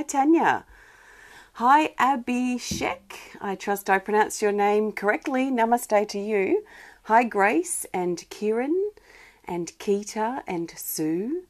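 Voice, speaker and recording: A woman hosting a live healing-guidance stream, speaking gently with many pauses, a bit wheezy from irritated lungs. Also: medium pitch. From Australia. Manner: soft, gentle, greets viewers by name, many ums and restarts. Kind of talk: live-streamed spiritual chat.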